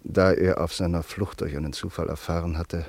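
An actor playing a sombre narrator in a radio drama, grave and deliberate as he recalls a friend's fate. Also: low voice, fairly even intonation, darkish tone, no room sound.

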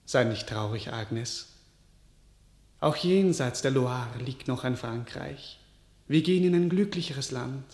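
Slow, solemn, despondent king. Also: mid-range voice, darkish tone, echoey room. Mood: tender, wistful. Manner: solemn, declamatory, measured. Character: despondent, world-weary king giving up his crown. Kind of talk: classical verse radio drama acting.

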